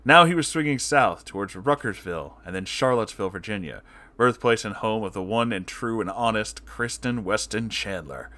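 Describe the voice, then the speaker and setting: A man with a fairly low voice narrates a written story. He reads comic horror prose in a dramatic, scripted storytelling style. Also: animated, normal speed, bright, forceful tone.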